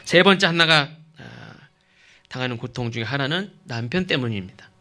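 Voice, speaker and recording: A man with a mid-range, pushed, bright voice and lively intonation preaches at a moderate pace. As pastor, he drives points home emphatically with rhetorical questions and checks in with the congregation.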